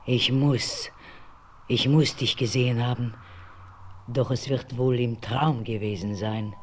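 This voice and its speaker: An actor playing a lone mysterious Native American man in a radio play, halting and speaking in hushed whispers. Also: mid-range voice, fairly even intonation, slight background noise, lightly acted. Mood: solemn. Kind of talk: 1970s radio play acting.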